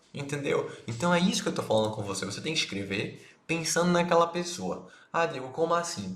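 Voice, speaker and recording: A man's voice: mid-range voice, a bit bright. A Brazilian man in his thirties giving a casual online marketing lesson, slangy and direct, talking straight to the viewer. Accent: Brazilian Portuguese. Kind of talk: casual recorded course lesson. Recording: echoey room, faint noise.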